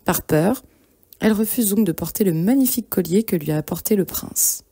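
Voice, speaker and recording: A woman's voice: mid-range voice, animated, brisk, mellow, slightly rough, no echo, clean studio sound. A woman reading a scripted fairy tale as storyteller, telling it in the third person. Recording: music behind the voice. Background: background music.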